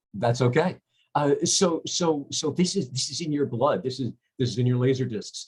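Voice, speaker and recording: Speaking with an American accent at a moderate pace, a man with a fairly high pitch and a somewhat breathy voice shows ordinary pitch variation. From New York, the Bronx. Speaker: interviewer. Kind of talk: interview. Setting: at a film festival.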